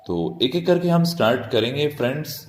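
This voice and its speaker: A man teaching an English lesson from India, speaking slowly and deliberately and spelling words out letter by letter. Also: medium pitch, sing-song, darkish tone, big-room sound. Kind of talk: classroom lesson.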